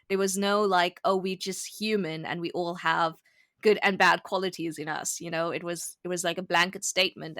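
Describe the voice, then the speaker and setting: A woman's voice: fairly low pitch, bright, forceful tone, dry recording, studio quality. A woman from South Africa with a South African accent, speaking earnestly and reflectively as a guest in a casual interview. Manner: earnest, reflective, laughs easily.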